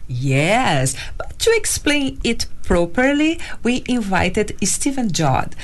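A woman's voice: medium pitch, very animated, slow. A woman hosting a conversational radio interview. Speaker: radio host, journalist.

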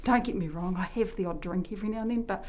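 A woman with a New Zealand accent, a health promotion worker, hosts a casual radio chat, rambling chattily and often sidetracking herself. Her medium-pitched voice is a little mellow and very fast.

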